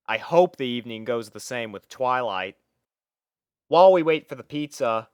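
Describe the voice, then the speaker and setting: Smooth, dry-sounding male story narrator. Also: mid-range voice, no room sound. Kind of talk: scripted first-person story narration.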